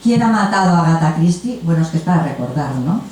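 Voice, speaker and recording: A woman with a fairly low, darkish voice talks fast and expressively as she moderates a literary panel at a festival, introducing the guests in a chatty, effusive, informal style. The event room echoes, the mic is distant and there is faint noise.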